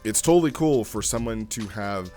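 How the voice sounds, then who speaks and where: A man's voice: lowish voice, expressive, moderate pace, mellow, soft background music. A man giving a casual, off-the-cuff review as a host, thinking aloud and repeating phrases for emphasis. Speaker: host reviewing a text role-play.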